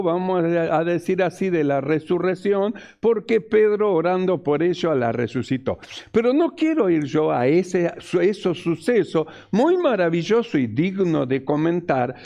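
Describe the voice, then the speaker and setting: A man's voice: sits high, gravelly, warm tone, highs cut off. A male pastor, preaching a sermon emphatically and repeating his key phrases.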